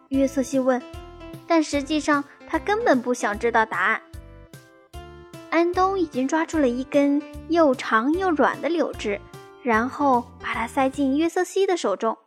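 A woman reading a children's story aloud in a slow, gentle and expressive way. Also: sits high, faint music behind.

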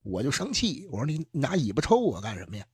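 A man's voice: mid-range voice, huge pitch swings, fast talker, husky, no room sound, clean studio sound. A man telling a ghost story from his own life in casual, earthy, joking talk. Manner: earthy, humorous, swears casually. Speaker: radio guest storyteller.

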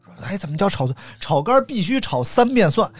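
A man chats in a slightly high, very animated voice. He spins humorous stories at a quick clip, slipping into imitations of locals, music underneath. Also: breathy edge, no room sound. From China, outside Beijing. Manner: animated storytelling, mimicking locals' remarks. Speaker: podcast co-host. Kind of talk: casual humorous chat. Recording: music playing behind the talk.

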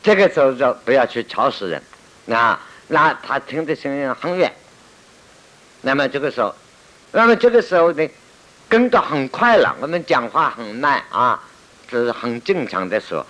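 Animated man giving a Buddhist lecture. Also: medium pitch, normal speed. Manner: lively storytelling, acting out exclamations and scolding. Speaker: Buddhist teacher. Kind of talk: spoken Buddhist lecture to a seated audience. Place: lecture room with listeners.

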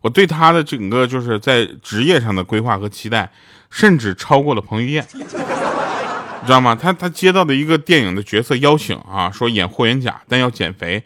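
A man's voice: mid-range voice, expressive, brisk, noisy background. A man who voices radio dramas, telling funny stories in a casual, chatty monologue and laughing at his own punchlines. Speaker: radio drama voice actor promoting his show.

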